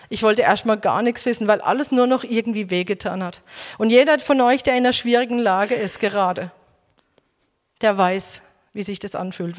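A woman preacher giving a personal testimony sermon, emotional and halting, with frequent restarts. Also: medium pitch. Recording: echoey hall reverb.

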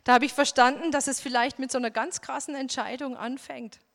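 A woman preaches with earnest emphasis and keeps filling pauses with a soft "ja." Her voice sits somewhat high. A long hall reverb trails every phrase, as if she were recorded in a large church room. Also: fairly even intonation, vocal fry. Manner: earnest, emphatic, many "ja" fillers. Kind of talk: sermon with personal testimony.

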